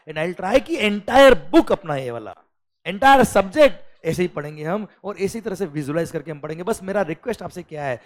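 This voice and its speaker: A male teacher gives a lecture with a slightly higher pitch than most men. He coaxes his students, keeps checking that they follow, and slows to a careful word-by-word pace when he reads legal text. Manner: animated, coaxing, mixes English phrases, calls students beta.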